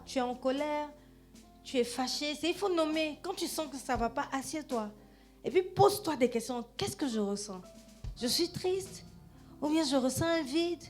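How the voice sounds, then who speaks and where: High-voiced woman pastor preaching conversationally. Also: a little mellow. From Gabon. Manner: conversational preaching, addresses listeners directly, frequent "hein" and "amen". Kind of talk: sermon. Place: church.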